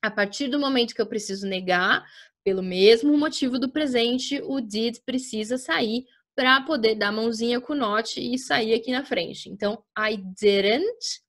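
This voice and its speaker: A woman, an English teacher who explains grammar in a chatty way, checks in often with her listeners and slows down to spell out example sentences. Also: fairly high pitch, a bit bright.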